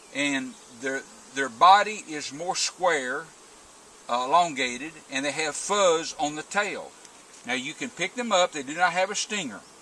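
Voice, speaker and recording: A man talks at a fairly slow pace, his pitch fairly high and his intonation lively. Noticeable background noise is present. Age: 70s. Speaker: beekeeper. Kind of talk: tutorial. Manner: halting, many fillers and repeats; slow and gentle.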